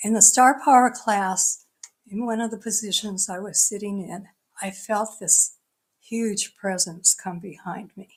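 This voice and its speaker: Fairly slow, somewhat breathy woman's voice at a medium pitch with fairly even intonation. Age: 70s. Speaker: minister. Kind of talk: sermon. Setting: church service, streamed live.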